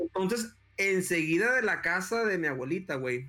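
At a moderate pace, a man with a Mexican accent speaks with lively intonation while music plays in the background. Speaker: podcast co-host. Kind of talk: casual chat.

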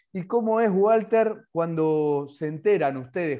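A man with a Rioplatense accent, a fairly slow pace and lively intonation. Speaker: radio host. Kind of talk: interview. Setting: video call. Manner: loud.

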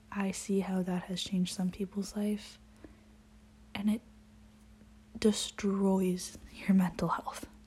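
The speech is very slow, broken by long, frequent pauses, in a flat monotone. The tone is dark and mellow, and somewhat breathy. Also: woman, medium pitch for a woman. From Nova Scotia, Canada (Kentville). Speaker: podcast host, college student. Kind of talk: casual monologue.

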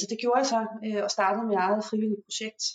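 A woman speaks at a moderate pace. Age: 40s. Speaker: family therapist and author. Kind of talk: interview. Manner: halting.

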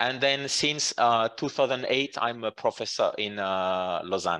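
A man at medium pitch with a bright, sharp tone, over a quiet background. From France, Jura mountains. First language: French. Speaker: professor of exercise physiology. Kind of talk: interview.

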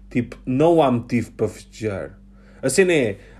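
With a European Portuguese accent, the speaker uses lively intonation and an animated tone at a moderate pace. The recording is very clean, with a silent background. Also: man. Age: 30s. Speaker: podcaster. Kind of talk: casual monologue.

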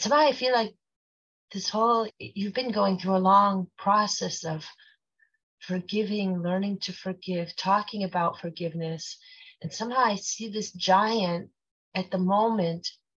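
A woman speaks with a German accent at a moderate pace. Her pitch is medium, with ordinary variation. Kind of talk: spoken prayer. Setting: online call.

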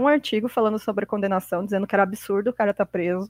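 In a very clean recording with a silent background, a woman speaks with ordinary pitch variation and a dry, close sound with no echo. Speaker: podcast host. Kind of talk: true crime storytelling.

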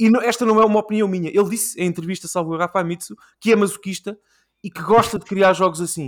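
A man at a very fast pace and high pitch, in a dry, close sound with no echo on a very clean recording with a silent background. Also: fairly even intonation. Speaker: video game commentator. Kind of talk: casual chat.

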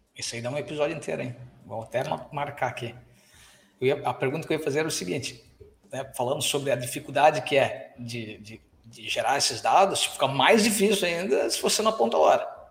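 A man with a fairly high pitch speaks at a fairly quick pace, his loudness swinging widely. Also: lively intonation. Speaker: podcast co-host on digital marketing management. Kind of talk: casual chat.

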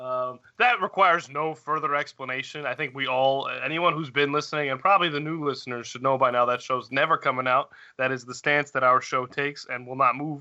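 A man talks at a fairly quick pace in a fairly high pitch. His tone is bright and sharp against a quiet background. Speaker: podcast co-host. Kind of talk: casual banter chat. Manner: animated, laughs a lot.

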